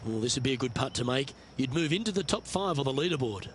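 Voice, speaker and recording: A man playing a composed television golf commentator in a video game, making measured, brief remarks between shots. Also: mid-range voice, animated, slight background noise, close to an everyday voice.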